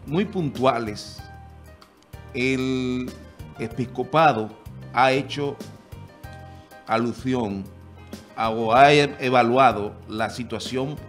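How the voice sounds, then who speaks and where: A middle-aged man questions a guest pointedly on a TV panel, pausing and restarting as he builds his point. His voice sits at an ordinary mid pitch into a desk microphone, with soft music underneath. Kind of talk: TV panel discussion. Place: TV studio.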